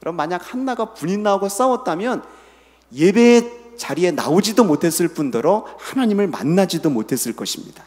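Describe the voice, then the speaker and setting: A man's voice: sits high, a little mellow. A middle-aged man preaching a sermon as senior pastor, leading the congregation in reading scripture and asking them questions. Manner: asks the listeners questions. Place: church sanctuary. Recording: long hall reverb.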